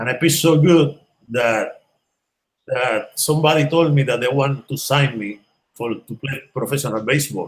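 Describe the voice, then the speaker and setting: A man's somewhat breathy voice, fairly high in pitch, with ordinary pitch variation, a moderate pace and a Puerto Rican accent. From Puerto Rico. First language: Spanish. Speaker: former baseball pitcher. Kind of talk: interview. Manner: halting.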